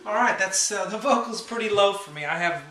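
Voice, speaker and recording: A man with a rather high voice giving a casual, relaxed piano lesson at a whiteboard, talking through chords with plenty of fillers. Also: fairly quick. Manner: relaxed, chatty, many fillers, counts beats and hums notes. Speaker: piano teacher. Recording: roomy sound from a distance over loud piano.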